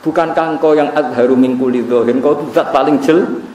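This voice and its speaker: A man's voice: mid-range voice, fairly even intonation, fairly quick, darkish tone, a little hiss or hum, voice pushed up, close to an everyday voice. A man retelling a devout woman mystic's tearful plea to God in a raised, plaintive tone. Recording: roomy, distant recording.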